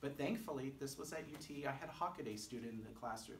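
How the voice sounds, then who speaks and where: A man talks with ordinary pitch variation. Light background noise and audible room echo surround him. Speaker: teacher. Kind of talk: interview answer. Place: classroom. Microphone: camera far.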